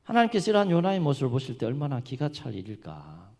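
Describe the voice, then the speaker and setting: A man's voice: medium pitch, fast, long reverb tail. A male pastor preaching a sermon, telling the story vividly and questioning his congregation. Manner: animated storytelling that acts out the quotes.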